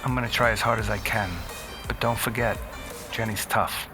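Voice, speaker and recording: A man playing a calm, shrewd streetwise computer hacker in an audio drama. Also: fairly low pitch, normal speed, lightly acted. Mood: focused. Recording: music behind the voice.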